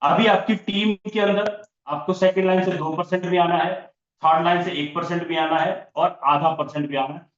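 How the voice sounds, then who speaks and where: A man's voice: high voice, fairly even intonation, normal speed. A man running an online business training session, repeating figures as he walks through the sums step by step. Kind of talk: online training session explaining income plans. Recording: roomy, dull lo-fi online call audio.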